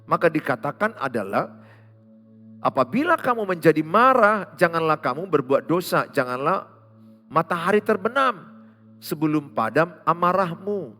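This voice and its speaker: A man preaching a sermon as pastor, with a Medan Indonesian accent, swinging from loud rebukes to quiet asides. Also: a little high, big pitch swings, normal speed. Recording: long hall reverb, faint music behind.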